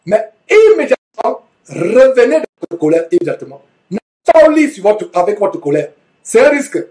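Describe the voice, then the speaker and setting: A preacher teaching verse by verse from the Bible, reading each passage aloud and then explaining it with repetition and frequent self-corrections. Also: medium pitch.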